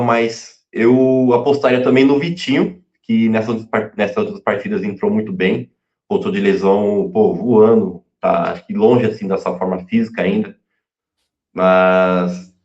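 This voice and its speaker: Guy talking football before the match, kinda low voice, lots of restarts, roomy dull recording. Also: a little mellow. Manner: halting, many fillers and restarts. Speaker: fan channel pundit. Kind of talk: casual pre-match talk. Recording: echoey room, dull lo-fi sound.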